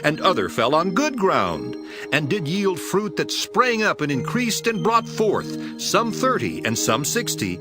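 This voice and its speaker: Authoritative man teaching parables in scripture drama: solemn, deliberate preaching, very wide melodic swings, strong music underneath. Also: high-pitched, huge pitch swings, exaggerated voice. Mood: proclaiming. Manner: declamatory, deliberate preaching delivery. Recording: prominent music behind the voice.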